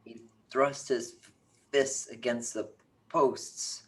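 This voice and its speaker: Woman acting earnest boy, stutter, husky, slow, grieving, table read drama. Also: very deep voice, steady tone, heavily acted. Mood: dejected. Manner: halting stutter on hard words.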